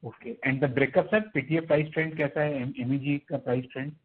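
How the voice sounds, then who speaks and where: An Indian-accented man calls into an earnings call by phone as an investor or analyst, asking deferential questions and often saying "sir." His voice is a little high and rapid-fire, with fairly even intonation and a breathy edge, heard over a tinny narrowband phone line.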